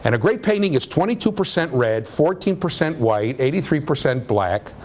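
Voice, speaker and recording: A man lecturing a university class in a conversational way, with a low voice, often checking in with "okay?". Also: very animated, normal speed, darkish tone, slight background noise. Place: lecture room.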